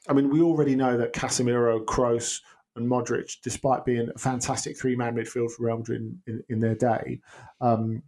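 Male podcast guest, mid-range voice, halting analytical delivery. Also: medium pitch, mellow. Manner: hesitant, many restarts and ums. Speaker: football pundit guest. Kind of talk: casual podcast chat.

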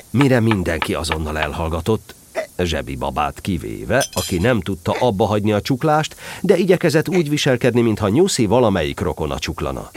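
A male storyteller with a fairly low voice narrates a children's tale. His intonation is very lively and expressive, following a script. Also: a little hiss or hum.

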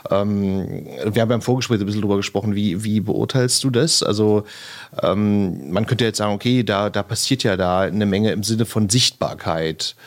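A man's voice: fairly low pitch, normal speed. A man interviewing a guest, asking casual follow-up questions. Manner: casual and probing, asks follow-ups.

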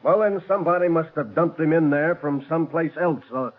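A man's voice: on the high side, a little fast, lightly acted. Puzzled old-radio police sergeant played by a man. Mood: puzzled, skeptical. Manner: folksy, hesitant, questioning. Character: gruff, puzzled male police homicide sergeant. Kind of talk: 1940s radio drama acting. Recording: muffled, narrow-band 1940s radio recording.

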